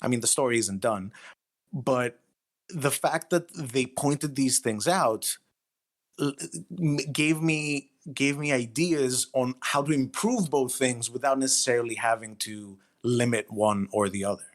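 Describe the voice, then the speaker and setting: A man's voice: medium pitch, a little slow. A man from Greece, a guest writer, talking casually in an interview in a hesitant, self-deprecating way. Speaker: guest writer of audio horror stories.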